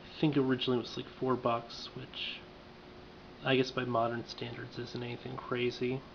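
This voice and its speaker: A man reviews a toy figure in a casual, offhand monologue with dry, self-mocking jokes. His voice is gravelly and sits in a middle pitch. The recording is dull and lo-fi, with a faint hiss underneath. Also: completely flat delivery, normal speed.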